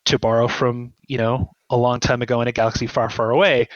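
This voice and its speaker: A man being interviewed as a guest writer, explaining his ideas conversationally in a thoughtful, halting way and often checking in with "right?". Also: mid-range voice, level tone, lo-fi sound, slight background noise.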